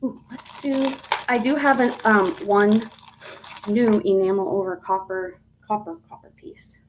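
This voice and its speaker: A woman's voice: medium pitch, a little slow, noisy background. A woman hosting a live jewelry auction stream, chatting casually and rambling with fillers and self-corrections as she shows each piece.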